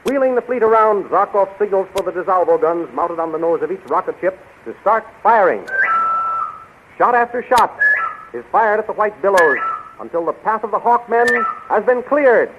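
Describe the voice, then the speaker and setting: A man's voice: sits high, lively intonation, moderate pace, narrow, tinny audio. A man narrating a 1930s radio adventure serial in an urgent, declamatory style. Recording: scratchy, thin 1930s radio recording.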